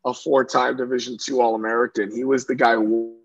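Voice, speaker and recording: A man's voice: mid-range voice, little pitch movement, a little fast, lo-fi sound. A middle-aged man from Central New York, a lacrosse coach, talking casually in an interview with lots of fillers and restarts. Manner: talkative, many fillers and restarts.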